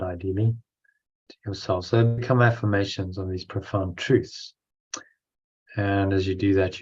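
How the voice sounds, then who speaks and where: A man with a low, very level voice leads a breathing meditation. He gives instructions in short phrases, pausing between them, and reads affirmations to be repeated. The recording sounds dull and lo-fi. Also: a little mellow. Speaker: guided meditation teacher.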